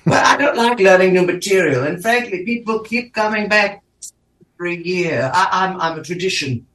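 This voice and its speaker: A man's voice: sits high, moderate pace, fairly bright tone, echoey room, voice pushed up, rough recording. A man voicing a vain, aging Eastern European countess and drag diva, with a theatrical, stammering manner and a vaguely Eastern European, mid-Atlantic accent. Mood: grand, campy. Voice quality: theatrical, stammering, self-mocking. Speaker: guest performer. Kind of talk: campy in-character radio chat. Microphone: phone or remote line from home.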